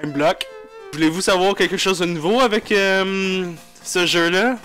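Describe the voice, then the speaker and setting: A man with a Quebec French accent chats through a video game, excitable and profane, switching freely into English slang. His voice sits high for a man. Faint music plays in the background. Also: unhurried. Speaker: let's play gamer. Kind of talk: casual gameplay commentary.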